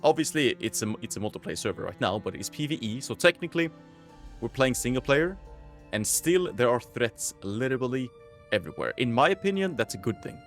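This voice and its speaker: A man hosting a gaming video, giving casual gameplay commentary with excited outbursts and casual slang. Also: medium pitch, a little fast, faint music behind.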